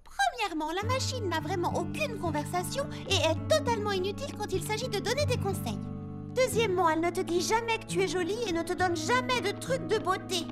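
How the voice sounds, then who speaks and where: A sweet, earnest cartoon girl with an extremely high voice. Her delivery is expressive and emphatic, made for a children's show. Prominent music runs underneath. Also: a little fast. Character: sweet, earnest young cartoon girls in a fruit-themed town. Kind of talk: French-dubbed children's cartoon acting. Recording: loud music behind the voice.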